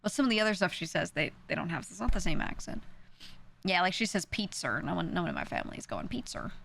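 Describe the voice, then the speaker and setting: A woman's voice: on the low side, big pitch swings, quick pace, gravelly, a bit bright, slight background noise. A young woman with a New York accent, chatting casually on a stream, rambling and self-deprecating with frequent laughs. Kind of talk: casual stream chat answering viewers.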